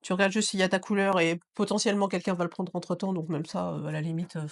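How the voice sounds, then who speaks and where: A woman's voice: fairly low pitch, flat delivery, quick pace. A woman whose first language is not French co-hosts a casual board game review chat, with a hesitant, playful manner full of fillers. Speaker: co-host.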